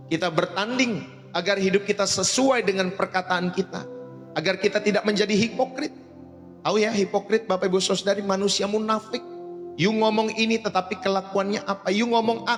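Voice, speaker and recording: A male pastor preaching a sermon in a blunt, colloquial way, often calling out to the congregation. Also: high voice. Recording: long reverb with faint music behind.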